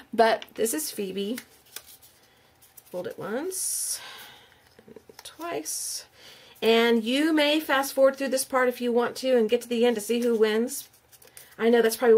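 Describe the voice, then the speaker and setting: A middle-aged woman, chatting casually on camera as she hosts a giveaway, sounding out names aloud and asking viewers questions. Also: fairly high pitch. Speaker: YouTube crafter hosting a giveaway. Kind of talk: casual on-camera vlog chat.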